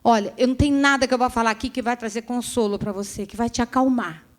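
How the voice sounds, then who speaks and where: A woman putting on a bubbly, high-voiced chatty friend. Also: steady tone, fast, close to an everyday voice. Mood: soothing.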